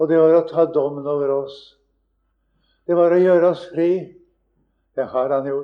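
Delivering his words in a monotone, flat intonation, a man speaks at a fairly high pitch. His pace is fairly slow, broken by long, frequent pauses. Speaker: preacher. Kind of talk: sermon.

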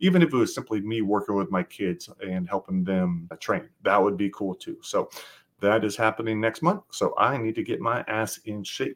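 A plain, everyday voice moves at a moderate pace with lively intonation, captured in a very clean recording with a silent background. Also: man, medium pitch for a man. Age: 50s. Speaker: horror author and podcast host. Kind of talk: casual monologue.

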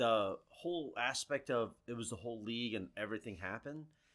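A man with a normal speaking voice, medium in pitch, talks at a moderate pace with lively intonation on a very clean recording with a silent background. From US, Delaware (Indian-American). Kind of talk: casual chat.

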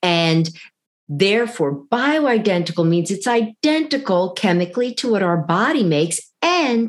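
This woman's pitch swings very widely. She talks very slowly. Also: quiet background. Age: 50s. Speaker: gynecologist. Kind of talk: interview.

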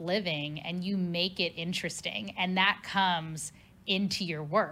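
Her tone comes across bright and sharp. The woman talks at a fairly slow pace. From Cincinnati, Ohio, US. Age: 30s. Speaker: podcast host. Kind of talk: casual chat. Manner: animated.

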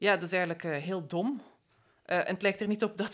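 A woman with a fairly low pitch and ordinary pitch variation speaks at a moderate pace, in an ordinary speaking voice. The recording is very clean, with a silent background. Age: 30s. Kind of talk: casual chat. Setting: home studio.

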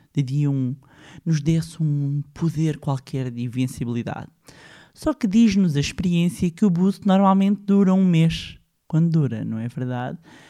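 Her voice very deep and low, a woman talks in a dark, mellow tone with lively intonation. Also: very clean recording, silent background. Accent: European Portuguese. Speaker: podcast host, personal finance educator. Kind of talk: casual solo podcast talk. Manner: animated.

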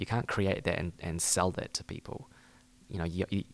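Recorded very cleanly against a silent background, a man speaks at a very deep, low pitch with fairly even intonation. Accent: New Zealand. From New Zealand, Lower Hutt. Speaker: poet and editor. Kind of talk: casual interview chat.

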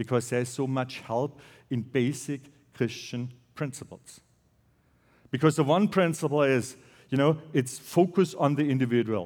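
On a very clean recording with a silent background, a man speaks at a moderate pace and medium pitch with ordinary pitch variation and long, frequent pauses. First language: German. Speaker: truck company employee sharing testimony. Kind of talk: testimony and interview. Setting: church stage with audience.

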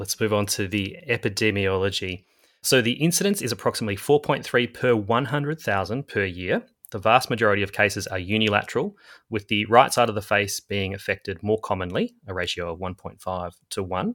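On a very clean recording with a silent background and a dry, close sound with no echo, a man with an Australian accent speaks at a fairly quick pace, fairly low in pitch with ordinary pitch variation. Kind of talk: casual chat.

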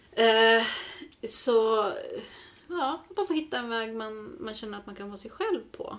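At a fairly slow pace, a woman with a fairly high pitch uses lively intonation, big swings in loudness, and long, frequent pauses. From northern Sweden, Skellefteå area (Norrland coast). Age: 30s. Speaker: podcast host, former believer. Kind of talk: personal testimony in interview.

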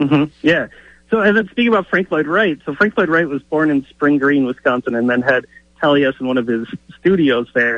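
A man with an American accent, fairly high in pitch, with lively intonation at a fairly quick pace. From Minnesota, US. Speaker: author. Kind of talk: radio interview. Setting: phone call.

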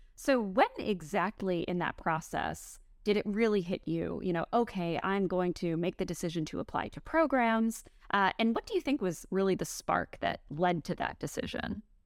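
A woman speaks in a plain, everyday voice at a medium pitch and moderate pace. Her intonation is lively, and the recording is very clean with a silent background. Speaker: podcast host and PhD student. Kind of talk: interview conversation.

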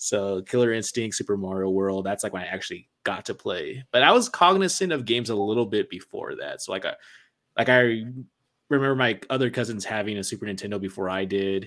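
The recording is very clean, with a silent background. A man talks at a fairly quick pace, at medium pitch, with ordinary pitch variation. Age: 30s. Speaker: podcaster and games writer. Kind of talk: casual chat.

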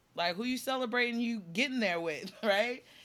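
Loud and animated, a woman speaks at a moderate pace with lively intonation. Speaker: podcast host. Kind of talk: casual chat. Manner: loud talker.

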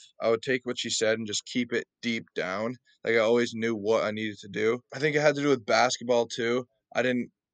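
In an ordinary speaking voice, a man with an American accent talks fairly quickly at a medium pitch, with a dry, close sound with no echo and a quiet background. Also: fairly even intonation. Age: young. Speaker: former student and college athlete. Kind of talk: interview.

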